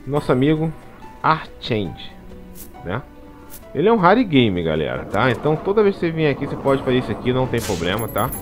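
A man's voice: mid-range voice, sing-song, fairly quick, soft background music. Chatty Brazilian man narrating a game. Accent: Brazilian Portuguese. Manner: chatty, tacks on "tá?" after nearly every phrase. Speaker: gaming channel host. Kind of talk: casual gameplay walkthrough commentary. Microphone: voice-over commentary over game capture.

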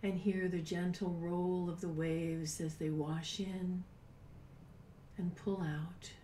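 A woman in her sixties leading a guided meditation in a soft, breathy, unhurried voice with long pauses, at times near a whisper. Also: on the low side, little pitch movement. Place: small home room, indoors. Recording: roomy, distant mic with background noise.

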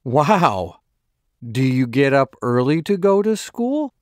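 Man, mid pitch, lively intonation, slow clear lesson reading. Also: dry recording, clean studio sound. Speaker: dialogue reader. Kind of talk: scripted language-lesson dialogue.

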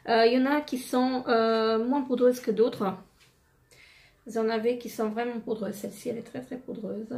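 Slightly hoarse woman vlogger, hesitant. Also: fairly high pitch, darkish tone. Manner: hesitant, many fillers. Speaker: beauty vlogger. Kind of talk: casual product haul chat.

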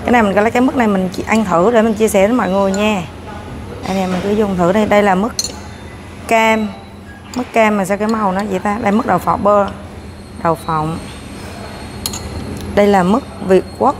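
Casting note: woman in her 30s, chatty buffet vlogger on a lapel mic, steady mid voice, dishes clinking clearly behind. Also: mid-range voice, brisk, long pauses, noisy background. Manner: chatty, narrating while serving herself food. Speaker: food vlogger. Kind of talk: casual walkthrough vlog. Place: hotel breakfast buffet room, indoors. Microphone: clip-on lapel mic.

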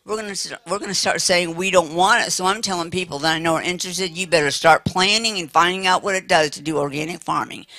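An older American woman preaching a lively sermon with humor, talking in a big, animated, playful voice. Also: medium pitch, no echo.

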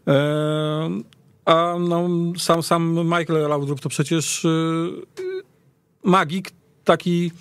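A man casually discussing football as a radio pundit, halting and repeating words as he searches for them. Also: fairly high pitch, little pitch movement, clean tone, no room sound. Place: radio studio.

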